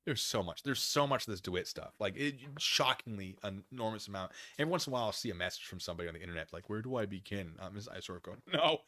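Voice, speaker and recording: An American man with a very animated, swooping delivery and a forceful, bright tone. He reads formal text aloud with theatrical flair and wanders into wry, casual commentary. The sound is close and dry. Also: lowish voice, fast, hardly any pauses, no room sound. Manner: animated, wry, digressive, easily excited. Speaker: online streamer reading a document with commentary. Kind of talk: dramatic document reading with casual off-the-cuff asides.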